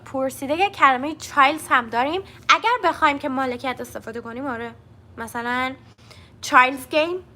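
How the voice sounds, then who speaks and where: Bright young woman teacher. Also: high voice. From Iran. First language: Persian. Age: young adult. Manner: switches between English and Persian, reads out viewer questions. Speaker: English teacher answering live chat. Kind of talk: casual live-stream Q&A.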